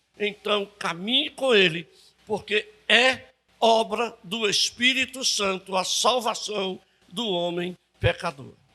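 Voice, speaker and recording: A man projects a raised voice with a bright, sharp tone at a high pitch. He speaks very slowly, with ordinary pitch variation. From Brazil, Taguatinga (Federal District). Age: 60s. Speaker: pastor. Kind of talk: bible study lecture. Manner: conversational.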